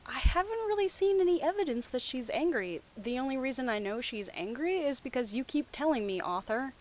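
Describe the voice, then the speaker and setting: A young woman who hosts a comic fan fiction reading series reads the fan fiction aloud mockingly, dropping sarcastic, incredulous asides. Her voice is on the high side, and the low-quality recording carries slight background noise.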